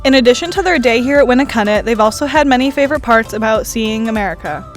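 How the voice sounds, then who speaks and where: A teenage girl student reporter reading a news voice-over in an even, read-aloud way. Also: on the high side, fast, faint music behind. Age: teens.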